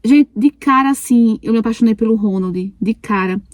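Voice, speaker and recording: A woman's voice: a little high, normal speed, a little mellow, no echo. Chatty young woman telling a story. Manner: chatty, addresses listeners as "gente", many repetitions. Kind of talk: first-person story narration.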